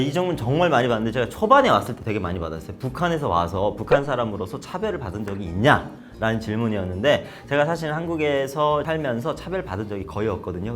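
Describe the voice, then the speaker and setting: A young man from North Korea talking casually to camera, telling stories with acted-out quotes. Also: medium pitch. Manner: lively storytelling with acted-out quotes. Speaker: vlogger.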